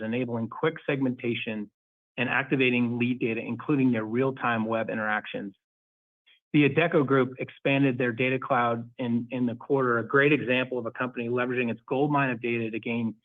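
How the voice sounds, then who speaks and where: A male company executive delivers prepared remarks for an earnings call. His voice sits at a medium pitch, and his delivery is formal and measured. The sound is thin and band-limited like a telephone conference line, with no room reverb. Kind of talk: scripted earnings call presentation. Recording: phone-like narrowband conference call audio.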